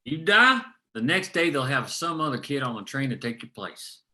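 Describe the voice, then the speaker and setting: A man playing a gruff, world-weary, foul-mouthed veteran coal miner in a screenplay table read, with a sardonic, folksy delivery. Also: medium pitch, sing-song, moderate pace, pushed and bright. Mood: grim, bitter.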